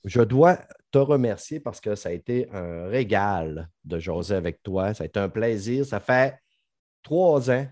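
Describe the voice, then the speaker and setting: A man's voice: lowish voice, lively intonation, a little slow, darkish tone, no echo. Middle-aged guy, saguenay quebec accent, blunt joker who swears a lot, dry close sound. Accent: Saguenay Quebec French. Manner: swears freely, jokey and blunt. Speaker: podcast host. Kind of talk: casual chat.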